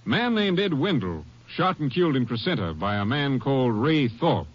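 An actor playing a steady, skeptical American Ranger captain, firm and businesslike, in a 1950s radio drama. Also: male voice, medium pitch, moderate pace. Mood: businesslike, probing. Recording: muffled, noisy old radio recording.

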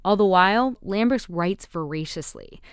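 A woman reporter giving measured, scripted narration for a radio feature. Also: fairly low pitch, expressive, clean tone, no room sound, studio quality.

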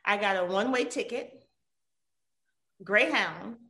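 Detroit-born woman guest, lively storyteller, roomy echo on the voice. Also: medium pitch, unhurried, gravelly. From Detroit, USA. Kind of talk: casual conversational interview.

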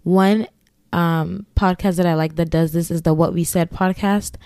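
A woman's voice: fairly low pitch, steady tone, moderate pace, a little mellow, clear, resonant tone, no room sound, studio quality. A woman with a Ghanaian accent hosting her own podcast solo, chatting in a rambling, giggly way with asides. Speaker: podcast host. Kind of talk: casual solo podcast chat.

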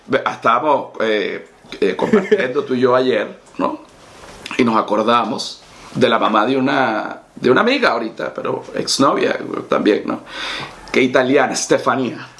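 A man hosting a podcast in casual chat, telling stories in a joking, lively way. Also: medium pitch, moderate pace, a little hiss or hum. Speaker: podcast host.

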